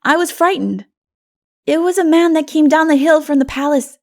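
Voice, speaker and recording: A woman voicing an earnest, innocent, frightened little boy in a dramatic storybook reading, with halting, childlike delivery. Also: high-pitched, pitched above the performer's own voice. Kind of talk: dramatic audiobook character reading.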